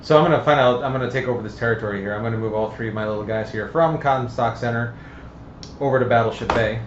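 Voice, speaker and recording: A man casually explains rules while playing a tabletop game, thinking aloud in a halting way. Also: mid-range voice. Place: room, live stream of a group game. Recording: roomy, dull, lo-fi with faint noise.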